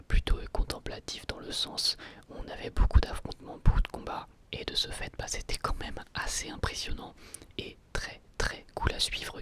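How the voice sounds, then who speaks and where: A person whispering in a breathy, unvoiced voice throughout, giving an ASMR-style review as a video host, thinking aloud in short, hesitant phrases. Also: extremely high pitch.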